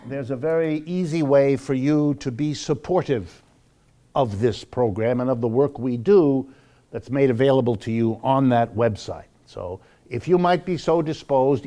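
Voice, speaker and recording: An older man speaks as the host of a public lecture. His voice sits at a medium pitch. He is deliberate and emphatic, stretching stressed words and letting asides fall away. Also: dark tone. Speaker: host and lecturer of an economics program. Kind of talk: public lecture with announcements, spoken to a live audience.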